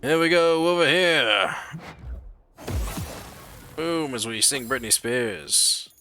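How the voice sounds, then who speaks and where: A man's voice: mid-range voice, expressive, slow, pushed and bright, slight background noise. A man giving casual, playful commentary as he hosts a gaming video.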